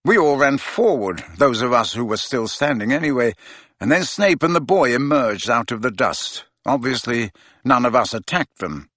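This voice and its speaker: A man voicing a steady adult wizard who talks firmly and soberly, with reassurance. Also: mid-range voice, moderate pace, no room sound. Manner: firm, sober.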